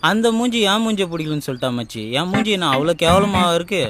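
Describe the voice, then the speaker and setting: A man's voice: high voice, expressive, fast, crowd noise. A man acting as a young man bantering with his best friend. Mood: joking. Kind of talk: short film acting. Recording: loud film music underneath.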